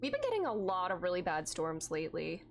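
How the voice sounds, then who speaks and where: Over music, a young woman with a lowish, gravelly, congested voice talks fast while streaming a game. Chatting casually with viewers, she leans on filler "likes" and bursts out excitedly at her finds.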